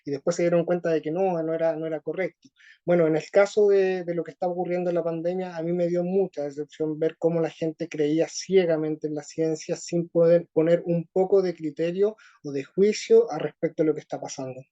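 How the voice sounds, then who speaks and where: A man with a Chilean accent answering interview questions slowly, with many pauses and fillers. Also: fairly high pitch, steady tone, warm tone, muffled recording. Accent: Chilean Spanish. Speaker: interview guest. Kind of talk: conversational interview.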